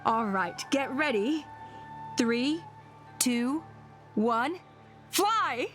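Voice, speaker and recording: A woman playing a dignified, kindly tribal elder in a video game, speaking deliberately and with authority. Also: high-pitched, lively intonation, music in the background, exaggerated voice. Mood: commanding.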